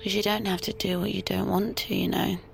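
An actress playing a sleepy young woman talking softly and drowsily. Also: medium pitch, level tone, a little fast, creaky, over music. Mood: drowsy. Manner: soft, drowsy, murmuring. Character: sleepy young woman waking in her lover's bed.

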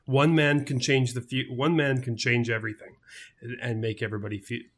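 A man's voice: medium pitch, little pitch movement, brisk, fairly bright tone. A man speaking enthusiastically in a casual podcast chat, laughing easily.

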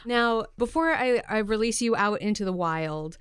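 A woman's voice: mid-range voice, moderate pace, clear, resonant tone, no room sound, clean studio sound. A woman hosting a casual interview, speaking in an effusive, encouraging way to her guest. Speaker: podcast host interviewing a guest. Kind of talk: casual, enthusiastic interview chat.

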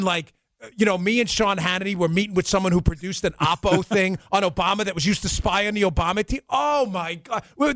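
A man's voice: high-pitched, a bit bright, no echo, clean studio sound. A man from New York hosting a political talk show, mocking and sarcastic, with a faint New York accent. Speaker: host.

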